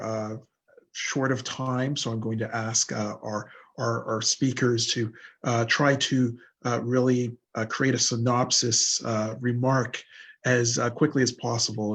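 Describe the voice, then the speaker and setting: A man moderating a panel discussion, hesitant, with many filler sounds. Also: medium pitch.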